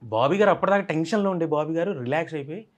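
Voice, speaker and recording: A man's voice: fairly high pitch, animated, rapid-fire. A man, an actor being interviewed, telling a film-set story animatedly and acting out other people's lines. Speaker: actor guest.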